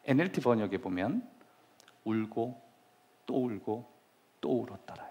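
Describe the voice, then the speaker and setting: A middle-aged male pastor preaching a sermon in a church, acting out scenes and dropping now and then to a soft whisper. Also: mid-range voice, animated, measured pace. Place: church sanctuary.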